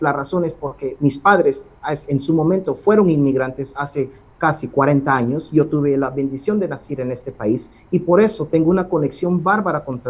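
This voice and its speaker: A man's voice: fairly high pitch, darkish tone, slightly rough, highs cut off. A man appearing as a lawyer guest, talking in a friendly, inviting way. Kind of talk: interview guest chat.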